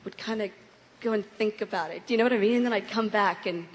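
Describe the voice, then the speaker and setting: A giggly woman rambles through anecdotes on a convention panel, chatting casually. Her voice sits at an ordinary pitch. A long hall echo carries her words. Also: fast. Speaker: guest actress on a fan convention panel. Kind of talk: casual on-stage chat. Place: large convention hall stage. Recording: echoey convention hall, faint noise.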